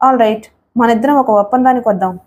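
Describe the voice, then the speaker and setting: A woman's voice: a little high, a little fast, a little mellow, close to an everyday voice. Woman reading a sneering, arrogant villain man, audio story. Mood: angry. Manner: taunting, sneering. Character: menacing young male villain, lustful and arrogant.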